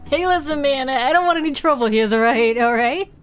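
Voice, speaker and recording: A woman's voice: sits high, brisk, clear, resonant tone, faint music behind, voice pushed up, natural voice. A woman voicing a nervous, blustering male deputy with jittery bravado in a tabletop game. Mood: pleading. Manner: jittery, self-coaching bravado.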